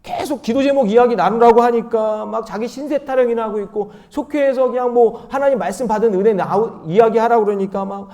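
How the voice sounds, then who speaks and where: A male pastor preaching at a dawn prayer meeting. He is animated, swinging from loud emphasis to quiet asides, and leads the congregation in reading scripture aloud. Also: extremely high pitch, a little fast, hardly any pauses.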